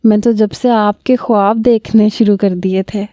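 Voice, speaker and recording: A woman reading a story aloud, voicing a young village bride-to-be who talks in a thin, high voice with a Punjabi lilt. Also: steady tone, mellow, dry recording, close to an everyday voice. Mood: coy.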